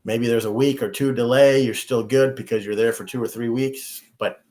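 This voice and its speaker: A man's voice: mid-range voice, fairly even intonation, normal speed, a little mellow. A man from the United States, an immigration attorney giving practical advice on a talk show, often restarting his sentences. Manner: practical, repeats himself when starting sentences.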